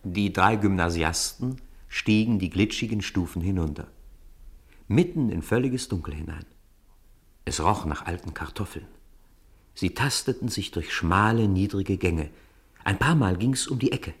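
A man narrating a children's audio drama in an expressive storytelling manner. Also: sits low, unhurried.

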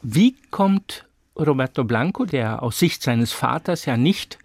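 A male interviewer asking calm, brief questions to prompt his guest. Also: mid-range voice, measured pace, slightly rough, no echo, clean studio sound. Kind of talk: radio interview.

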